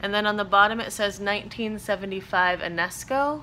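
Speaking very slowly with an American accent, a woman has a bright, sharp tone over light background noise. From Oregon, US (Portland area). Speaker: online reseller and video blogger; reseller vlogger. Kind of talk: casual unboxing vlog. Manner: rambling, chatty with fillers. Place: home room. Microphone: phone near.

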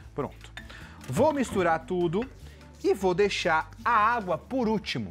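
The speech moves at a very slow pace while faint music plays in the background. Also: man, high pitch for a man. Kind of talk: cooking tutorial. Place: studio. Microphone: lapel.

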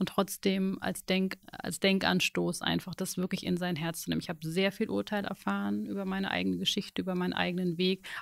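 Hardly any pauses break up this woman's fairly quick pace. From Germany, Berlin. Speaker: coach and hypnotherapist. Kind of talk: testimony.

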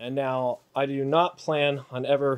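Recorded against a quiet background, a man's voice comes through dry, with no echo. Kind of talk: tutorial. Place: garage. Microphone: phone near.

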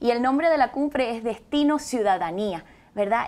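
The speech has lively intonation and a moderate pace. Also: woman. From Cuba. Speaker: immigration lawyer. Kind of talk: TV interview. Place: studio. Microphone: lapel.

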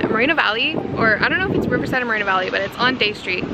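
Loud background noise surrounds a woman speaking in a dry recording with no echo. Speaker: vlogger. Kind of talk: casual vlog chat. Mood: cheerful, upbeat. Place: street. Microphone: phone near.

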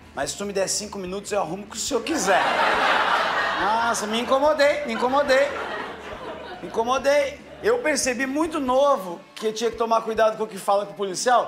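Amid noticeable background noise, a man with an extremely high pitch and ordinary pitch variation talks at a fairly quick pace, with long, frequent pauses. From Rio Grande do Sul, Brazil. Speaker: stand-up comedian. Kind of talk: stand-up comedy routine. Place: stage. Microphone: handheld.

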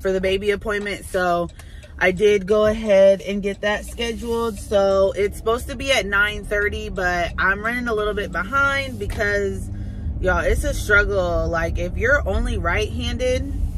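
Over light background noise, a woman talks at a moderate pace in a dry recording with no echo. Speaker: vlogger. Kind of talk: casual vlog chat. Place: car. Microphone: phone near.

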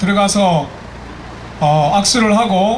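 This man's voice sits high for a man, with ordinary pitch variation and light background noise behind it. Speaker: election candidate and lawyer; election candidate. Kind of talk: campaign stump speech. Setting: outdoor market rally with crowd. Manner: loud, rousing. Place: street. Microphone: pa.

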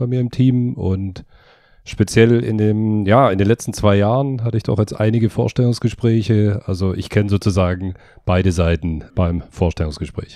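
Against a quiet background, a man with a dark, mellow tone and fairly low pitch speaks at a moderate pace with ordinary pitch variation. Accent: slight southern German. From southern Germany. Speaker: team manager who hires staff. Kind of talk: casual interview. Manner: hesitant with fillers.

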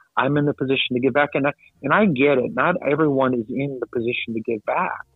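Over music in the background, a man with a fairly high pitch speaks at a fairly quick pace. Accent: American. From US Midwest. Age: 50s. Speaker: photographer. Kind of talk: casual interview. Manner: halting.

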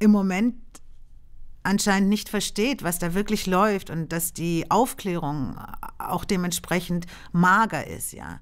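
The woman speaks at a very slow pace. Behind her, the background is quiet. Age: 50s. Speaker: interviewer, journalist. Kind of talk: interview conversation. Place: studio. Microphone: studio mic.

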